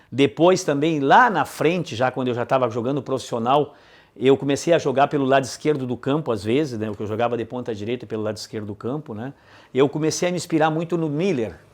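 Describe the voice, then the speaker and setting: A man speaks in a normal speaking voice, fairly high-pitched for a man and at a fairly quick pace. The background is quiet. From southern Brazil, Rio Grande do Sul (Dom Pedrito countryside, then Bagé). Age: 60s. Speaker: former professional footballer. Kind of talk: interview. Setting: at his home.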